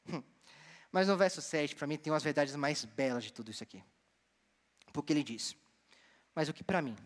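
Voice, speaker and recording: A young man from Bahia, Brazil, preaching a sermon as a seminarian and telling stories with lively delivery. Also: high-pitched. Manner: storytelling, animated, addresses the congregation directly. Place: church hall. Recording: long church hall reverb.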